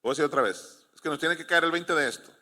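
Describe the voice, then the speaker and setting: Bright Mexican preacher in a reverberant hall. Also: male voice, fairly high pitch, fast talker. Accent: Mexican Spanish. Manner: storytelling preacher who asks the congregation to respond. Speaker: pastor. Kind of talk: sermon.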